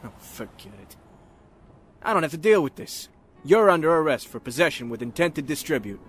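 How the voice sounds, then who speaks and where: Hot-tempered male cop, tense bright voice, very animated, agitated, audio drama. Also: a little high, fairly quick, slightly rough, faint music behind, exaggerated voice. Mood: angry, desperate. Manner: agitated, snapping. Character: hot-tempered, desperate male police detective.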